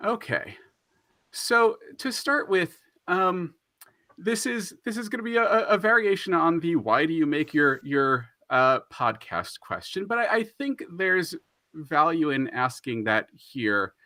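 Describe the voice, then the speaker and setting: A man's voice: on the high side, lively intonation, a little slow, pushed and bright, no echo, studio quality. A man moderating a panel discussion, introducing guests and choosing his words carefully with some hesitation.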